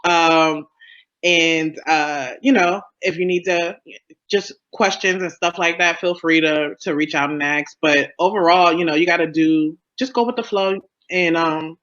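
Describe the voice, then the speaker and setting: A man giving casual, encouraging advice as a creator on a panel, in a halting way. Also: a little high, fairly bright tone, dull audio. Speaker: audio drama creator on a panel.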